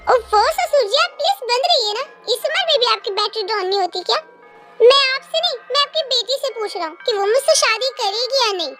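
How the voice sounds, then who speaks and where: A performer with a high young voice plays an obsessive young man in a fan audio drama, with a creepy sing-song sweetness that drops to low threats. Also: animated, a little fast. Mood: taunting. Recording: music bed under the voice.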